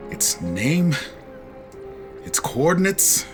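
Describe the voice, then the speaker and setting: A sci-fi audio drama spaceship captain, homesick and fiery. His delivery is measured and slow, with big melodic swings from hushed longing to outburst. Music plays clearly behind him. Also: fairly high pitch, very animated, full character voice. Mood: earnest, wistful.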